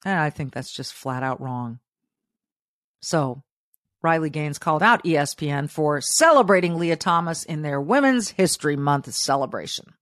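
A woman in her fifties with a low voice, hosting an opinion monologue and repeating phrases for emphasis. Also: expressive, moderate pace, fairly bright tone, no room sound, clean studio sound. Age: 50s. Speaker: podcast host.

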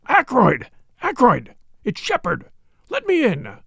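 A man voicing an urgent, brusque and uneasy doctor in an audiobook, sharp and insistent in manner. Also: sits high, big pitch swings, a little fast, vocal fry, no room sound, clean studio sound, heavily acted. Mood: frantic calling. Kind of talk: audiobook character dialogue.

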